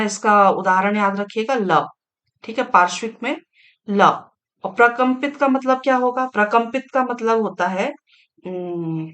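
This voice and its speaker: A woman's voice: mid-range voice, a bit bright. A woman teaching an exam-prep grammar lesson, patient and repetitive, often checking in with listeners. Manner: slow and patient, frequent tag questions and fillers.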